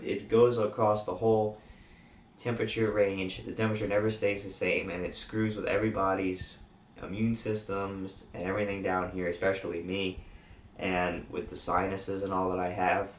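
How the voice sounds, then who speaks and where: A man's voice: low-pitched, a little hiss or hum. Young man with a weak, sore-throated voice. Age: young adult. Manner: rambling, with many fillers and restarts. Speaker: YouTube channel host. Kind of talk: casual channel update. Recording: roomy, distant from the mic.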